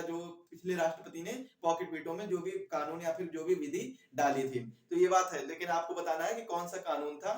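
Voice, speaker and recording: A man giving an explanatory exam lecture, repeating key phrases and putting questions to his students. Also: high voice. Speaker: exam coaching teacher. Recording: echoey room, distant mic.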